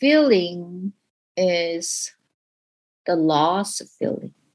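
With a Korean accent, a woman speaks at a very slow pace with long, frequent pauses. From South Korea. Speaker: poetry teacher. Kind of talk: personal storytelling.

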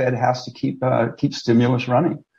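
A man talks at a medium pitch and a moderate pace. His voice is somewhat breathy. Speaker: newsletter stock analyst. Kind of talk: interview.

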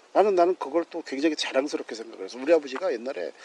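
Dry and close with no echo, a man's voice comes through at a high pitch. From Yanggu, Gangwon Province, South Korea. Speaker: son of a wartime prison camp guard. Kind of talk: interview testimony. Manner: halting.

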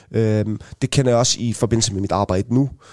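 A man with a normal speaking voice talks at a moderate pace, with medium pitch and ordinary pitch variation. The recording is very clean with a silent background and has a dry, close sound with no echo. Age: 30s. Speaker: former gang member turned entrepreneur and author. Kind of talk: interview. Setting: live event at a book fair.

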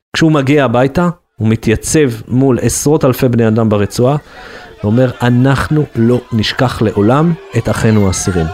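Music plays behind a man speaking at medium pitch and a moderate pace, with ordinary pitch variation and very even loudness. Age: 50s. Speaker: journalist, Palestinian affairs analyst. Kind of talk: interview.

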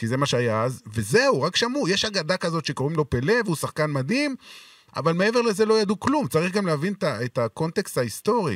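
A man's high-pitched voice at a very fast pace, very wide pitch swings, a dry, close sound with no echo, and a very clean recording with a silent background. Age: 60s. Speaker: sports broadcaster and podcast host. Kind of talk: casual chat.

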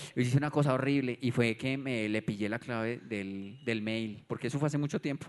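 A man talks at a fairly quick pace with hardly any pauses and ordinary pitch variation. It is an unremarkable speaking voice. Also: medium pitch for a man. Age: 30s. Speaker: podcast guest. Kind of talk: casual chat.

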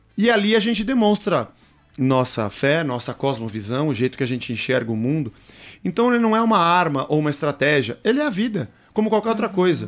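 A man's high-pitched voice with very wide pitch swings and a fairly quick pace, music playing in the background. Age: 50s. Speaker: musician. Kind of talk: casual chat.

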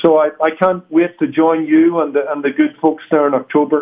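A man's fairly high-pitched voice in a Northern Irish accent. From Northern Ireland. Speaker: pastor and radio Bible teacher. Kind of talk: radio interview. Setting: phone call. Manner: earnest, preacherly.

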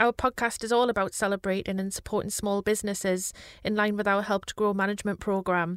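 A woman with an ordinary speaking voice, medium pitch and fairly quick pace, in a dry, close sound with no echo. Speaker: podcast host and university academic. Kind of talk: interview, presenting.

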